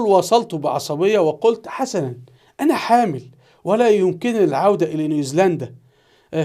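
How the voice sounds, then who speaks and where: Fast, high-voiced Egyptian man. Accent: Egyptian Arabic. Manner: animated, acts out quoted voices. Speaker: teacher commenting on news. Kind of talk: storytelling commentary.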